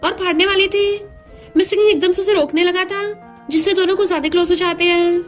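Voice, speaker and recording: A woman's voice: very high voice, fairly even intonation, brisk, faint music behind. A woman retelling a drama's plot in a chatty way, mixing in English words. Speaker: drama recap narrator.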